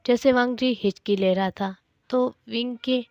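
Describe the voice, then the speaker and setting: A woman retells a romance story in a relaxed, chatty way, often turning to the listener with asides. Her voice sits fairly high, and the recording is dry and close. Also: moderate pace, no echo, muffled recording. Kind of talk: casual fan-fiction storytelling.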